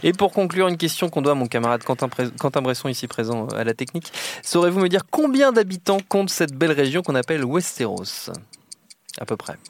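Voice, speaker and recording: A man hosting a casual panel chat and quiz, lively and teasing, laughing often. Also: fairly high pitch, brisk, a little hiss or hum. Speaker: host.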